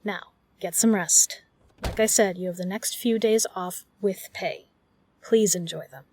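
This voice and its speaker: A woman's voice: mid-range voice, unhurried, darkish tone, a little hiss or hum, close to an everyday voice. A woman playing a kind, protective, flirtatious bar regular in an audio roleplay, speaking earnestly and reassuringly to the listener. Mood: warm, flirtatious.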